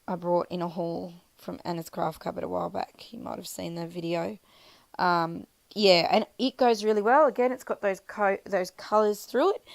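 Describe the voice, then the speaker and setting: Croaky Australian woman, chatty voiceover. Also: medium pitch, dry recording. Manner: chatty, rambling, self-deprecating, many fillers. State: croaky, scratchy voice from illness. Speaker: scrapbooking vlogger. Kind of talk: casual voiceover narration of crafting.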